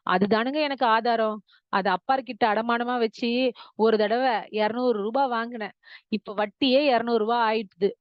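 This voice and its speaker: A woman's voice: a little high, no echo, lo-fi sound, natural voice. Brief: woman playing an old village carpenter, choked up and begging, storybook reading. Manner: pleading, choked with tears. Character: poor old male carpenter, tearful, pleading.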